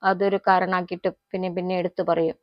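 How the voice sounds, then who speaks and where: A woman with a Malayali accent, a native Malayalam speaker, teaching everyday Hindi phrases in a casual lesson, explaining them slowly and repeating each example. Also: on the low side, little pitch movement, no echo, highs cut off. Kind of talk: casual spoken-language lesson.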